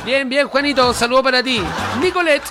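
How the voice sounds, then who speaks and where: A man's voice: extremely high pitch, a little fast, over loud music, a loud crowd. A man with a Chilean accent hosting a casual call-in radio show, chatting and laughing with callers. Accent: Chilean Spanish. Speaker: radio host.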